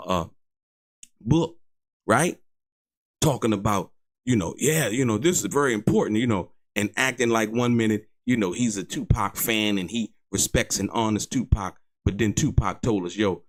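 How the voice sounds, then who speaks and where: Guy hosting an online commentary show, lowish voice, worked up and emphatic, stumbles and repeats words a lot. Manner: indignant, disputing. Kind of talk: opinionated commentary to viewers.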